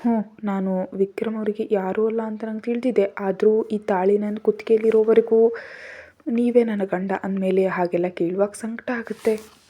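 A woman voicing a timid, devoted young bride in a storybook narration, speaking hesitantly and haltingly. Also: mid-range voice, fairly even intonation, mellow, natural voice. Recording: dull lo-fi audio.

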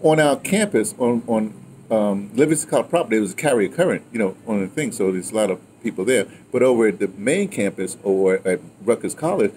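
A man in his sixties with an American accent, chatting casually and telling stories in a digressive, animated way. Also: lowish voice, fairly quick. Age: 60s. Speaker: host of an audio memoir channel. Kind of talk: casual storytelling chat. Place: outdoors on a patio in daylight. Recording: outdoor ambient noise.

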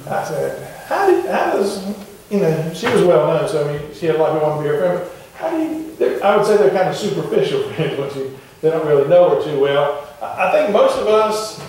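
A man's voice: on the high side, sing-song, fairly quick, darkish tone, slight background noise. Man preaching in an echoey church. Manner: conversational, asks the congregation questions. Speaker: pastor. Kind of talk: sermon. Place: wooden church sanctuary with congregation. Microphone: far camera at the back of the church. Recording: echoey church heard from far off.

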